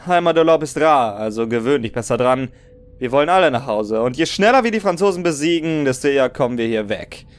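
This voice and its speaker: A man's voice: medium pitch, lively intonation, fairly quick, natural voice. A man playing a jaded but comradely veteran soldier in an audio drama, blunt and resigned.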